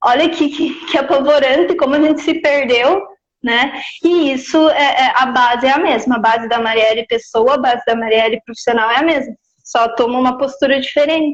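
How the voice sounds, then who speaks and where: At a moderate pace, a woman with a high voice talks with very even loudness and ordinary pitch variation. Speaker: nutritionist and spiritist volunteer. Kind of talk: interview. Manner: halting.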